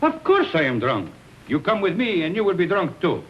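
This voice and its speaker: An actor with an Italian accent playing a boisterous, drunken army officer who teases, laughs and mocks in theatrical 1930s film style. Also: male voice, sits high, wildly swooping pitch, moderate pace. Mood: drunk teasing. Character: boisterous drunken male officer, teasing and swaggering. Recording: muffled old film soundtrack with hiss.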